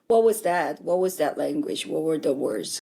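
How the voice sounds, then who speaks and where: Lively, encouraging woman podcast host. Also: sits low, normal speed, gravelly, breathy edge. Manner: encouraging, frequent affirming murmurs. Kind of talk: podcast interview.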